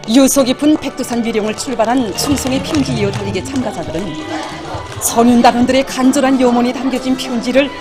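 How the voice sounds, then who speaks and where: A woman's voice: a little high, fast. A woman with a North Korean accent reading scripted television news in a solemn, formal, declamatory manner. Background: music under the narration.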